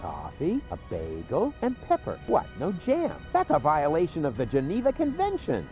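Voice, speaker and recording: A man's voice: a little high, huge pitch swings, moderate pace, lo-fi sound, music in the background. A man playing a cocky, scheming, whiny adventurer in a video game, theatrical and sarcastic.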